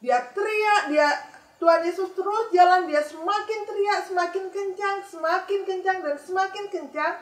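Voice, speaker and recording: Young woman storytelling for kids at church, high voice, echoey room, mic kinda far. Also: normal speed. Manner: expressive, addresses children directly. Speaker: children's ministry storyteller. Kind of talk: children's Bible story.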